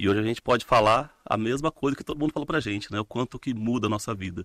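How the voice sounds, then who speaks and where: Delivered at a very fast pace with ordinary pitch variation, the speech sounds dry and close with no echo against a quiet background. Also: man, medium pitch for a man. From Brazil, Minas Gerais. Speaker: orthodontist and professor. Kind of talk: interview. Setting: podcast studio. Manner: animated.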